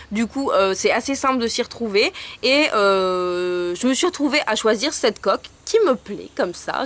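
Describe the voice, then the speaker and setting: A woman's voice: fairly high pitch, a little hiss or hum. A young woman chatting casually in a haul vlog, showing products with many hesitations. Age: young adult. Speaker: beauty vlogger.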